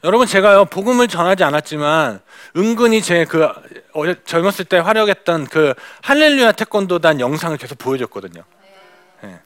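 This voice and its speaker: A woman's voice: fairly low pitch, sing-song, brisk, no echo, studio quality. A woman missionary giving a testimony talk to a church audience, speaking to them directly and acting out the dialogue she recalls. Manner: addresses the audience directly, acts out quoted dialogue.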